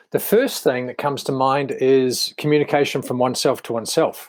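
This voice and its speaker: This man has a New Zealand accent and a fairly high pitch. He talks at a moderate pace. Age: 60s. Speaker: leadership coach. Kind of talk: podcast interview.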